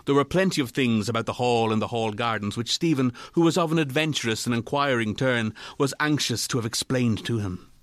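Measured male narrator, dry close recording. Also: mid-range voice, no room sound. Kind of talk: scripted literary ghost story narration.

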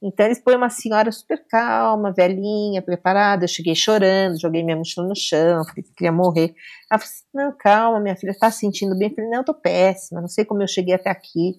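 Speaking quickly in a mid-range voice, a middle-aged female guest tells a personal story in a relaxed, lively way, performing the quoted lines herself.

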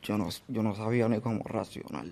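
Low gravelly man, halting. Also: mellow. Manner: halting, many fillers and restarts. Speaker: interview guest. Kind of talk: emotional personal recollection.

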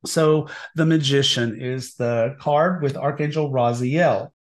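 A man's voice: medium pitch, slow. A man hosting a tarot podcast, chatty and enthusiastic, a little sniffly and scratchy from a cold. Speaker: podcast host, tarot reader. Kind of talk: casual podcast talk.

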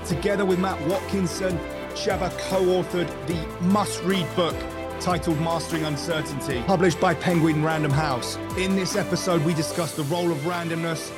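Podcast host over a music bed. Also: male voice, fairly high pitch, steady tone, moderate pace. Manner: smooth read intro, then hesitant questions with fillers. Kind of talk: scripted intro, then casual interview.

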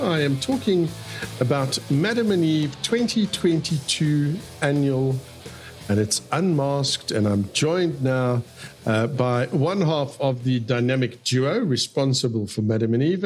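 A man hosting a podcast interview, asking friendly, rambling questions with fillers. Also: a little high. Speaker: podcast host.

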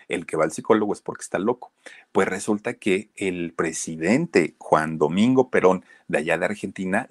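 A man's voice: deep voice, breathy edge, dry recording, clean studio sound. A man with a Mexican accent telling a story in a casual, chatty way, speaking straight to his listeners with plenty of fillers. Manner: addresses listeners directly, chatty with many fillers.

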